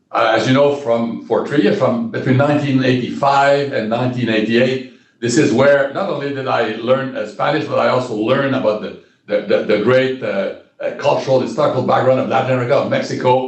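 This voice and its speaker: A man with a Quebec accent talks at a fairly quick pace, with hardly any pauses. His pitch is medium, with ordinary variation. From Quebec, Shawinigan area. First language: French. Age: 70s. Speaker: retired diplomat. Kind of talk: interview. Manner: halting, many repetitions.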